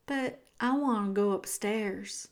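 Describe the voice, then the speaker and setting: A woman's voice: medium pitch, slow pace. A woman voicing a simple, needy, wounded little servant girl in a storybook, with plaintive, uneducated folksy speech. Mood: defiant.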